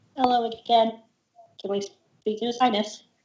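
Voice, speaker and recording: A woman uses a put-on character voice, fairly high and monotone with flat intonation, at a moderate pace. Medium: actual play. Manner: courteous, self-assured.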